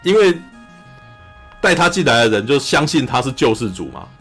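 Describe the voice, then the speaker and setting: A man from Taiwan, co-hosting a podcast and chatting casually about a film, animated, acting out scenes and often saying "you know". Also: medium pitch, normal speed, breathy edge, soft background music. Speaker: podcast co-host. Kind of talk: casual film review chat.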